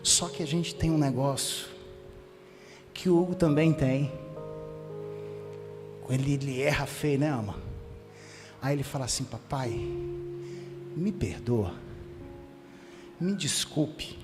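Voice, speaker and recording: Pastor giving an animated sermon, hall reverb, live guitar underneath. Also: male voice, on the high side, a little slow, pauses often. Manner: animated storytelling with quoted family dialogue. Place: church sanctuary. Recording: church hall reverb with music behind. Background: guitar music.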